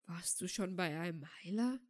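Harry, a soft earnest young man, read by a woman. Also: on the low side, expressive, moderate pace, close to an everyday voice. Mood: questioning. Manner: soft and pleading. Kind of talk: audiobook reading.

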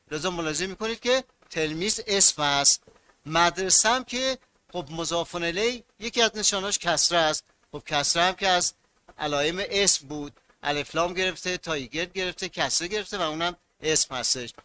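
A man's voice: sits high, pushed and bright, clean tone. A man teaching a grammar lesson to students, repeating key words and asking them to fill in blanks.

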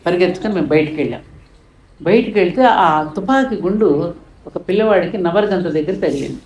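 A woman's voice: on the low side, animated, fairly quick, darkish tone, reverberant, a little hiss or hum, poor audio. An older woman from India, telling a story in an interview with a passionate, emphatic manner. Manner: impassioned, rising to emphatic peaks. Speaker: guest speaker.

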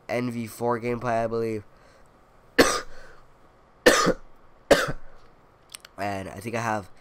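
A man's voice: medium pitch, fairly bright tone, slight background noise. A young man with a stuffy, congested voice and a cough, rambling casually over his gameplay commentary with lots of fillers and playful boasting. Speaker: gaming video creator.

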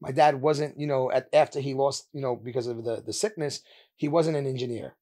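A man in his thirties from India, a podcast guest telling his story in a candid, animated way with quick laughs, speaking into a studio mic. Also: mid-range voice. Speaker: podcast guest, sneaker store owner. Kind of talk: casual interview chat. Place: sneaker-lined studio, indoors. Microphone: mounted podcast mic with headphones.

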